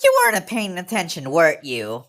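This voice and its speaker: A woman's voice: fairly low pitch, huge pitch swings, moderate pace, fairly bright tone. A woman voicing a foul-mouthed, hot-tempered young girl in a cartoon parody, brash and exaggerated. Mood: sulky.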